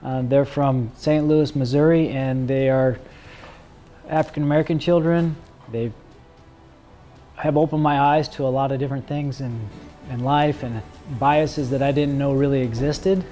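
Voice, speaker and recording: A man's voice: mid-range voice, fairly even intonation, normal speed, soft background music. A man, a police officer and father, speaking openly and personally in an interview. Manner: warm-hearted, personal, open. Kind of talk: recruitment video interview.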